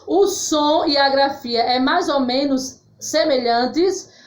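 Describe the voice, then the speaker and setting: A woman teacher giving a grammar lesson to children in Brazilian Portuguese, spelling out words carefully and checking in with "tá certo?", calling her pupils "my loves.". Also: high-pitched. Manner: slow, clearly spelled-out words with frequent "tá certo?" check-ins; affectionate, calls pupils "meus amores". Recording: echoey room, slightly dull sound.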